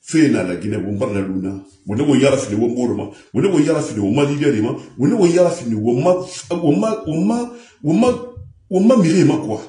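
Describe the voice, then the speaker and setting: An impassioned man delivers a monologue to media communicators, swinging his pitch widely as he drives home each point. His voice is mellow and dark, and it rings in an echoey room. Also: animated, fairly quick, few pauses. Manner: emphatic, repetitive, mixing French and a local language. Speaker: commentator addressing communicators.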